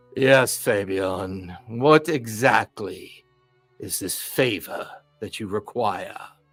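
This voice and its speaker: A man puts on a booming, raspy character voice at a medium pitch, speaking very slowly over faint background music. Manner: imposing.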